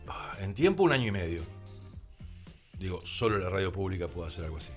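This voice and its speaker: An Argentine man with a low voice and lively intonation talks a little fast as a guest in a radio studio, music playing beneath him. A producer and adapter of radio drama, he tells stories conversationally, quoting dialogue along the way.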